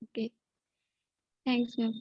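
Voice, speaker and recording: A young woman with an Indian English accent answers in halting English, stopping often to search for words. Her voice is set a little high and stays flat. The call audio sounds dry and muffled. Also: slightly rough, dry recording. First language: Hindi. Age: young adult. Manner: hesitant, halting English with many fillers. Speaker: job candidate. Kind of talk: nervous interview answers. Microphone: video call.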